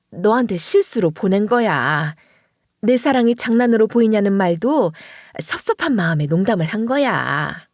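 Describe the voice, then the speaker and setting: A woman's voice: a little high, a little mellow, dry recording, clean studio sound, close to an everyday voice. A woman voicing a scheming, clingy mother-in-law who talks in a pushy, reproachful way in a story narration.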